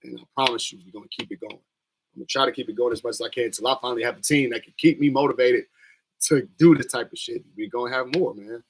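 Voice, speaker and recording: A fast-talking young man with a scratchy, medium-pitched voice hosts a wrestling watch-along livestream. His talk is casual, slangy, loose, and rambling.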